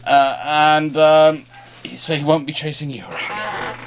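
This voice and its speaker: A man's voice: fairly high pitch, steady tone, slow, noisy background. A man hosting a live stream in a casual, chatty way, often rambling and breaking off mid-sentence. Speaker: livestream host answering naval history questions.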